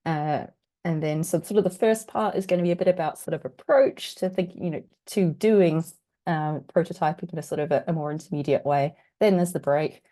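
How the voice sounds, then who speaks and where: A woman from New Zealand with a husky, croaky voice, still getting over an illness, presenting an online workshop in a chatty, self-deprecating way with plenty of fillers. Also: low voice, fairly quick, dark tone. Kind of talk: casual online workshop talk. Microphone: video call.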